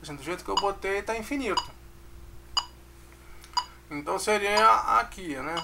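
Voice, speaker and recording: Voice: medium pitch, normal speed, creaky, background noise. A music teacher with a Brazilian Portuguese accent, giving a casual online lesson, counting beats aloud and checking in with the class.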